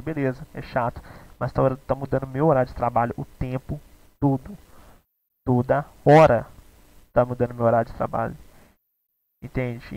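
A man's voice: medium pitch, darkish tone, rough recording. A young man with a Brazilian Portuguese accent, teaching a live online English class in a casual, chatty way, often checking in with his students.

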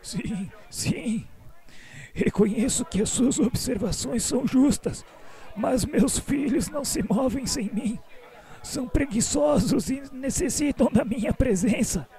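A confused old landowner in a radio drama, with a very high voice. He speaks slowly and querulously, in a soft, mellow tone, anxious and insistent. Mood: resigned, worried. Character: confused, anxious old man, former slave-owning landowner. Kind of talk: radio novela acting.

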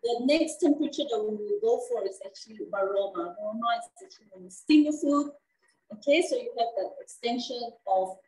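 With a fairly high, warm, brisk voice and lively intonation, a cooking show host explains her steps casually, peppering them with fillers and "okay?" checks. It's recorded in an echoey room from a distant mic.

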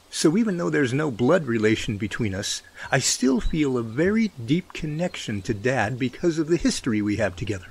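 A man's voice: medium pitch, breathy edge. A man playing an earnest, protective brotherly figure in a radio drama, pleading in a folksy way.

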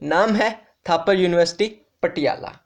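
A man's voice: sits high, normal speed. A man presenting an informal explainer for students, speaking straight to viewers as friends and restating each fact more than once. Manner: repetitive, restates facts, addresses viewers as friends. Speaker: education YouTuber.

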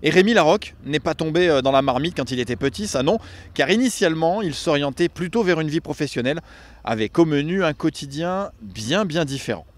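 A man presenting a radio feature on a restaurant, narrating in a lively way with playful turns of phrase and asking questions. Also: fairly high pitch, a little fast. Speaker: radio reporter.

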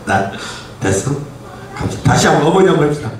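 A man performing live stage comedy, joking crudely with the audience, laughing and shouting at the crowd and the crew. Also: fairly high pitch, very animated, fast talker. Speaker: pumba street-comedy performer. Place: concert hall stage. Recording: very echoey hall, distant and faintly noisy.

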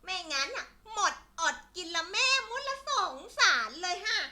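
A woman voicing a frizzy-haired witch who sells pies, with a shrill, cackling, theatrical voice, in a children's storybook. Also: very animated, normal speed, pushed and bright, exaggerated voice. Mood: gleeful.

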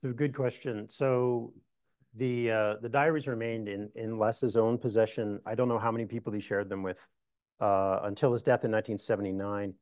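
A middle-aged man, a historian, answering audience questions in a meeting room, measured and thoughtful with frequent restarts. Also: lowish voice, fairly even intonation, darkish tone, no room sound. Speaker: historian giving a talk. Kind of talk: lecture Q&A answers.

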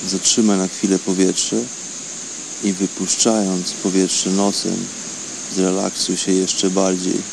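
A man's voice: low voice, takes it slowly. A man leading a guided relaxation, giving breathing instructions step by step. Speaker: meditation guide. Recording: clear steady background hiss.

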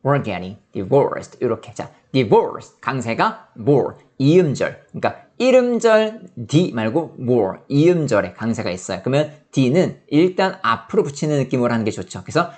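A Korean-speaking English teacher who explains pronunciation quickly and drills phrases slowly with exaggerated intonation. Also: medium pitch, sing-song, darkish tone. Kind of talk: explanatory language lesson.

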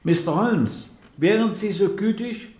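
Actor as slow, high-pitched, formal male official. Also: darkish tone. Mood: formal, measured. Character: formal, courteous government official chairing a secret briefing. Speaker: official leading a project briefing. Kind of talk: formal, measured radio drama speech. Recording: roomy echo.

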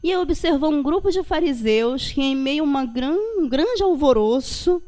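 Lady from rio doing a chatty spiritual lecture, kinda high voice, reflective, lots of little tag questions. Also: lively intonation, moderate pace, warm tone. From Brazil. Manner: reflective, frequent checking tags. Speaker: guest lecturer at a Spiritist centre. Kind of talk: religious public talk, informal and conversational. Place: meeting hall with projection screen.

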